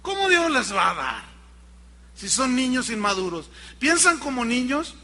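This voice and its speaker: An animated preacher delivering a sermon, acting out everyday scenes as he talks. His voice sits high and swings widely in pitch, with a very bright edge. It rings with a long reverb, as from a large hall. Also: unhurried. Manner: animated, acts out dialogues.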